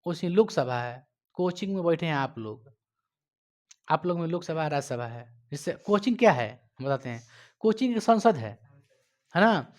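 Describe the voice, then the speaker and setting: A male teacher with a Bihari Hindi accent, giving a classroom lecture, quizzing his students and scolding them, loud one moment and quiet the next. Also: a little high, expressive, moderate pace, long pauses. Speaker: coaching teacher.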